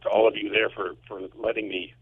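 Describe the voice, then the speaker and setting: A man speaks earnestly and haltingly from a remote call. His voice is fairly low and rough-edged, squeezed through a thin phone connection as he chats in an interview. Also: level tone. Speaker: music composer. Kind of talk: casual interview chat. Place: remote, calling in. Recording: tinny, muffled phone line.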